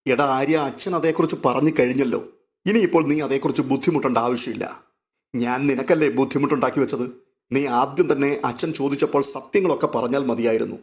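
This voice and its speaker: A man's voice: medium pitch, fast, natural voice. A man voicing a guilt-ridden young husband and elder brother, speaking with remorse. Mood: remorseful. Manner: pleading, remorseful.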